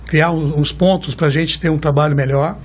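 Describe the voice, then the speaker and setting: A man's voice: on the high side, steady tone, moderate pace. Chatty Brazilian man in his fifties. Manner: chatty, warm storytelling, keeps tagging phrases with a questioning "right?". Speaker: guest, car rental executive. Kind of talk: casual interview talk.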